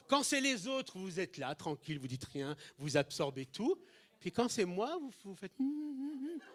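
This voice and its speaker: Speaking at a fairly slow pace, a man with a high pitch uses an animated tone and very wide pitch swings. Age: 60s. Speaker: preacher. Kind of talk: sermon. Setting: stage with audience.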